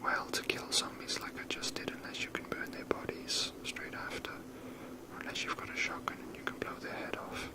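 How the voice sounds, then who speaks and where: A person whispering softly and breathily in a casual, rambling ASMR commentary while playing a video game. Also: moderate pace, hardly any pauses.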